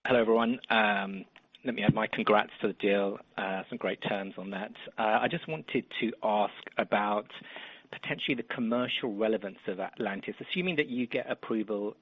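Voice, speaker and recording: Husky low-voiced man calling in. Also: moderate pace. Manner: polite, hesitant phrasing. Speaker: analyst caller asking questions. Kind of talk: spontaneous question on a conference call. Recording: dull lo-fi phone line.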